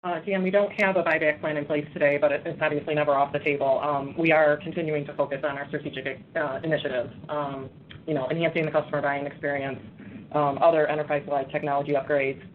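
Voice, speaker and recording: A woman answering analysts as a finance executive on an earnings call, in a measured, matter-of-fact way. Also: low voice, level tone. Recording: phone-like line, faint noise.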